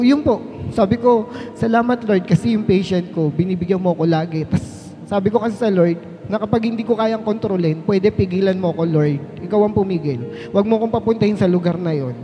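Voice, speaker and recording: A woman's voice: mid-range voice, a little fast, dark tone. Earnest woman testifying in a reverberant church. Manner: earnest and polite, retells her prayers aloud. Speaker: church exhorter at a prayer meeting. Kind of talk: personal testimony. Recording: dull lo-fi sound in a long-reverb hall with faint music.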